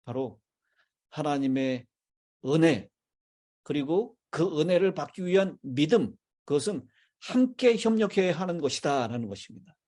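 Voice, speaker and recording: A male pastor delivers a sermon from the pulpit of a church. His voice sits a touch high and he speaks in measured phrases, stopping to ask the congregation questions and wait for their answers. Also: animated, dark tone. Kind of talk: sermon with congregation call-and-response. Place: church sanctuary.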